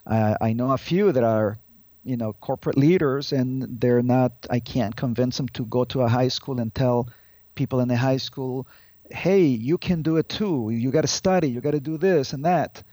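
This advocacy group spokesman from Colombia, a man in his fifties with a higher-pitched, warm voice, talks at normal speed while responding conversationally in an interview. The recording is dry yet dull and lo-fi, with music in it.

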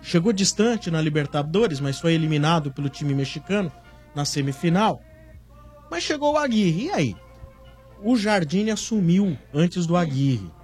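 A man, a regular panelist on a football talk show, arguing in an animated, emphatic way. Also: fairly high pitch, normal speed, soft background music. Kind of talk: casual sports debate.

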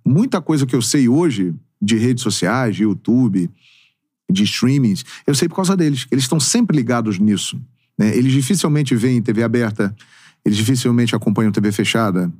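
A man in his forties, a sports narrator, chatting as a podcast guest in an expressive, talkative storytelling way with casual slang. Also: medium pitch, normal speed, no echo, studio quality. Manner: expressive storyteller with emphatic, swooping delivery. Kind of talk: casual interview chat.

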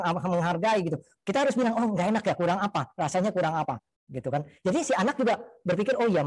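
A man speaking as a priest, preaching to parents about raising children. He talks in a lively way, and acts out parents and children in quoted voices. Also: high-pitched, poor audio. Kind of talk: homily on parenting.

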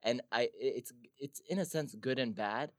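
A man's voice: medium pitch, moderate pace, no room sound, studio quality. A young man from Syria talking as a guest on a casual podcast. He makes his points in a thoughtful way, often hedging with "I feel like".

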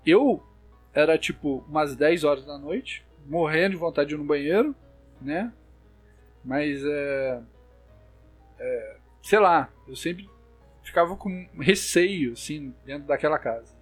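Halting Brazilian man telling spooky stories. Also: on the high side, soft background music. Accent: Brazilian Portuguese. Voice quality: hesitant, many restarts and fillers. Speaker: storyteller.

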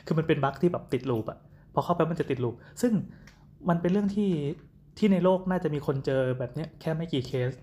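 A man telling a story in casual chat, halting and full of fillers, dropping English words into his talk. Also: on the high side, animated, dark tone. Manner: rambling, many fillers, mixes in English words.

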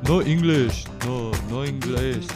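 A man's voice: mid-range voice, takes it slowly, close to an everyday voice. A man voicing a Frenchman who has limited English in an improvised game. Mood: insistent. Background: loud music.

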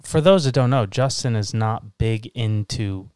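A man's voice: lowish voice, measured pace, darkish tone, clean tone, no room sound, clean studio sound. A man in his thirties from Massachusetts, co-hosting a casual podcast chat over beers, joking and teasing with a laugh. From Massachusetts, USA. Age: 30s. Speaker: podcast co-host.

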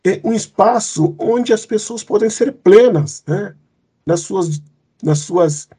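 Husky-voiced man from Cape Verde. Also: high-pitched, slow, dark tone. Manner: thoughtful, hesitant with many fillers and restarts. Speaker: company executive, guest. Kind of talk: interview answers.

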